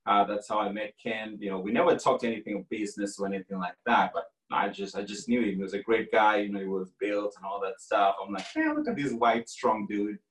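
A man in his forties, originally from Kenya, telling his story as a guest in a relaxed, rambling podcast conversation. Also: on the low side, brisk, hardly any pauses, echoey room, far from the mic, poor audio. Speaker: franchise owner guest.

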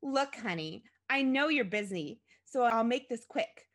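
A woman's voice: on the high side, lively intonation, unhurried, voice pushed up. A woman reading a story aloud and voicing an effusive, anxious, gushing mother with an overdramatic manner.

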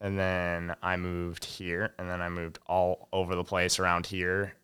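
A young man chatting casually on a podcast, telling rambling stories in a relaxed way and laughing often. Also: low voice, measured pace, smooth. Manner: rambling, laid-back storyteller, laughs a lot. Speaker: podcast co-host. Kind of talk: casual chat.

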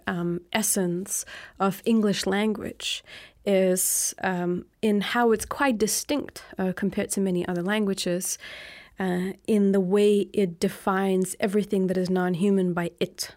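A woman's voice: mid-range voice, darkish tone, dry recording. Young woman, native Lithuanian speaker, reflective interview guest; hesitant, searching delivery in a dry room. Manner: thoughtful, many ums and uhs, often adds "right?". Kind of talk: reflective conversational answer.

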